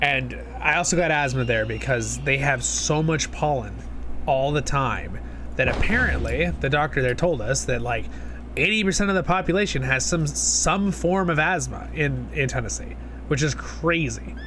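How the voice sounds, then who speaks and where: A man's voice: mid-range voice, lively intonation, normal speed, noisy background. Chatty young man, sniffly from a cold. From Southern California. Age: 20s. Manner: rambling, chatty, talks to chat. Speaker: streamer. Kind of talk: casual live-stream chat. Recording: music playing behind.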